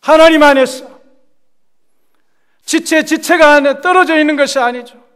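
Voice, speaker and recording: A man preaching a sermon as a pastor, emphatic and repeating key phrases, swinging between loud exclamations and hushed asides. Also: very high-pitched, steady tone, moderate pace. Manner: repeats key phrases and puts questions to the congregation. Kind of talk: Korean Protestant sermon. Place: church service.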